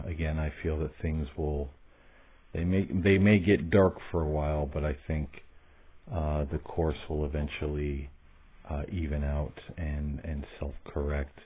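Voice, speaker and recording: A man hosting a spirit box session, solemnly putting questions in deliberate, halting phrases with pauses. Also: very deep voice, slightly rough. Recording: muffled, phone-like narrow band.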